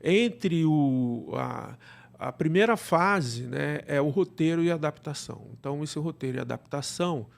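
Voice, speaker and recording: A man with a Brazilian accent answering interview questions conversationally, explaining in a halting way and often checking with the listener. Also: a little high, expressive, vocal fry. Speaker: podcast guest, radio drama producer.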